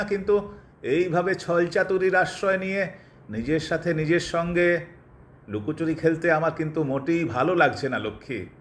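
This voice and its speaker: A man playing a cold, calculating doctor in an audio drama, pressing his love insistently and deliberately, with English phrases dropped in. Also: fairly high pitch, a bit bright. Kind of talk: Bengali audio drama acting.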